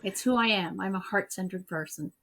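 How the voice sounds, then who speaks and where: A woman's voice: medium pitch, brisk, a bit bright. A woman whose first language is French, talking earnestly as a guest in a conversational interview. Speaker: interview guest, EFT practitioner.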